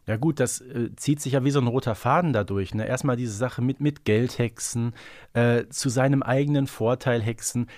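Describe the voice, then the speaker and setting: A man's voice: mid-range voice, moderate pace, a little mellow, no echo, studio quality. A man co-hosting a podcast in casual conversation, often tagging his remarks with little questions. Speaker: podcast co-host.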